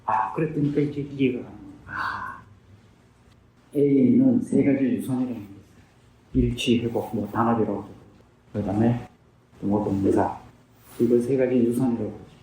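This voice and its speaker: A man's voice: medium pitch, steady tone, normal speed, pauses often, mellow, a little hiss or hum. A man in his fifties sharing his recovery testimony in an earnest, plain-spoken way, asking himself questions and answering them. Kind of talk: personal testimony talk. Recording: very echoey room, distant mic.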